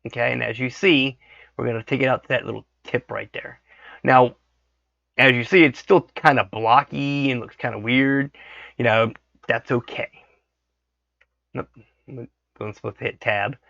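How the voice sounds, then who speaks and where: Brief: hoarse man, bright gravelly voice, relaxed tutorial talk, dry dull desk-mic sound. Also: mid-range voice, unhurried, long pauses, no echo. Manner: thinks aloud, frequent "okay" checks. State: hoarse from a cold. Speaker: 3D modeling tutorial host. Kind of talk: casual screen-recorded tutorial.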